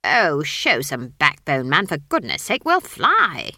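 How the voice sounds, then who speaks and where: A woman's voice: deep voice, wildly swooping pitch, takes it slowly, pushed and bright, dry recording, studio quality, full character voice. Woman putting on a stern, imperious old witch. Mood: commanding. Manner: scolding, clipped, imperious. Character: stern old witch, sharp-tongued and commanding. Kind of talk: audiobook character voice.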